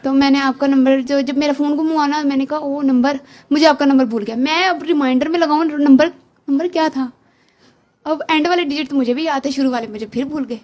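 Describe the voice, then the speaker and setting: A woman's voice: high voice, a little fast, a little mellow. A woman casually recounting a personal testimony, chatty and laughing, quoting what she said. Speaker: guest giving testimony. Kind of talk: casual storytelling.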